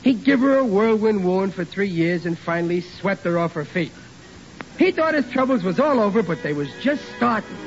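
A man's voice: sits high, animated, normal speed, music in the background. An actor playing Riley, a bumbling working-class young groom who stammers and mangles his grammar, in 1940s radio comedy style. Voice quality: rough, ungrammatical, stammering. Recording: dull old radio recording, faint hiss.

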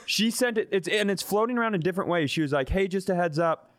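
A man's voice: high voice, fast, fairly bright tone. A middle-aged man, a comedian hosting a podcast, bantering casually, acting out quotes and swearing freely.

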